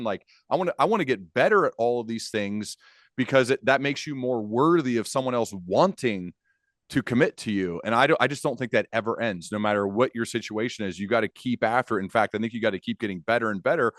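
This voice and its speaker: A man's voice: mid-range voice, quick pace, fairly bright tone, dry recording, studio quality. A man hosting a conversational interview, speaking earnestly and repeating phrases for emphasis. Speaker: podcast host, interviewer.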